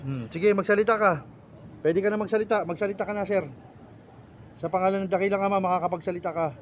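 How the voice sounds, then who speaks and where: A man's voice: high voice, fairly even intonation, fast talker, slight background noise. A man from the Philippines working as a folk healer, giving urgent, commanding orders and scolding during a healing ritual outdoors.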